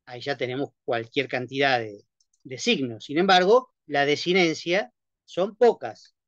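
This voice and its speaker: A male lecturer with a slightly high voice teaches a class, explaining step by step and checking in with the students constantly. The recording is dull and lo-fi, with a dry sound and no room echo. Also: measured pace, fairly bright tone. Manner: explanatory, checks in with frequent "¿sí?" and "¿no?" tags. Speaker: university lecturer.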